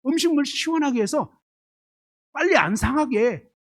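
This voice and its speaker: A man's voice: very high voice, expressive, normal speed, rough recording. A man preaching a sermon, firing rhetorical questions at the congregation and illustrating his points with homely everyday examples. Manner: asks the congregation constant rhetorical questions, emphatic.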